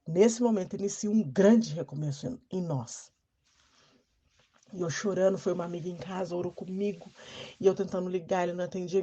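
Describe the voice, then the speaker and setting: A Brazilian woman telling an emotional personal testimony in an earnest, halting way with frequent restarts. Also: lowish voice, mellow, lo-fi sound. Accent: Brazilian Portuguese. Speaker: testimony speaker.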